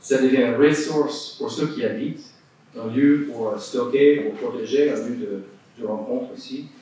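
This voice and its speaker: A man with an American accent, fairly high pitch, lively intonation and fairly slow pace, with noticeable background noise and audible room echo. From United States. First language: English (speaking French). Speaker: architect. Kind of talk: lecture. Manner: halting, many hesitations.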